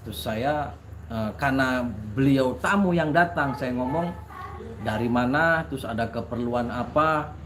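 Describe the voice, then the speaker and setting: A man's voice: mid-range voice, slight background noise. A man who works as a spiritual practitioner, telling a dramatic personal story to his listeners with frequent restarts.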